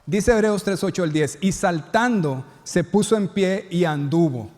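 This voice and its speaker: A man's voice: high voice, measured pace, darkish tone, long reverb tail. A male pastor preaching a sermon, telling stories and acting out the characters' lines.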